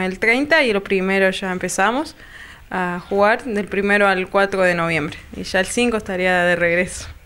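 Her pitch varies in an ordinary way as a woman talks at a fairly slow pace. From Argentina, Córdoba province. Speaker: bocce player. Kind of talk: interview. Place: home room. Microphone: handheld.

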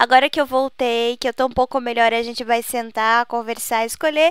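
The woman's voice has a bright, sharp tone. The recording is very clean, with a silent background. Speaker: gaming YouTuber. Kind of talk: casual vlog update.

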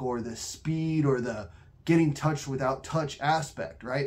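A man speaks at a fairly slow pace. His voice is somewhat breathy, with fairly even intonation. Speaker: martial arts coach. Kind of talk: casual advice talk to camera. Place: garage. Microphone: phone near.

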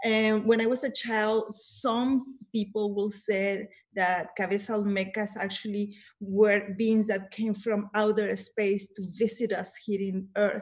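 Over a quiet background, a woman speaks very slowly in a somewhat breathy, monotone voice with flat intonation. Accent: Mexican. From Mexico. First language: Spanish. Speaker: picture book author and illustrator. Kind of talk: panel discussion. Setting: video call. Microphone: video call.

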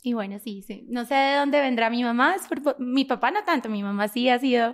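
A woman speaks at a fairly quick pace in a Medellín accent, her pitch high with ordinary variation. The recording is very clean, with a silent background. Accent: Colombian paisa (Medellín). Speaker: marketing executive. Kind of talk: podcast interview.

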